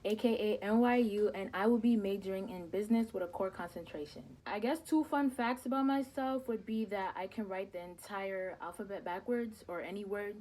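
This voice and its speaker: A woman's voice: medium pitch, normal speed, hardly any pauses, darkish tone, low-quality recording. A young woman, a rising college freshman, introducing herself with energy and enthusiasm. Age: young adult.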